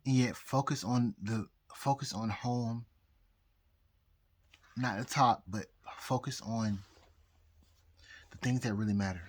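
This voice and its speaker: Really drunk guy rambling at viewers, kinda raspy, keeps stalling and repeating stuff, loses his train of thought. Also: medium pitch. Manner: halting, repetitive, losing his thread. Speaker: amateur astrologer vlogger. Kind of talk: rambling casual monologue to viewers.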